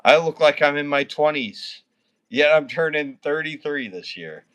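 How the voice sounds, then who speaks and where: A man's voice: a little high, animated, a little slow, fairly bright tone, highs cut off. A man in his thirties, drunk and slurring, rambling and swearing constantly while chatting with viewers on a livestream. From Canada. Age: 30s. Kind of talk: casual livestream chat with viewers.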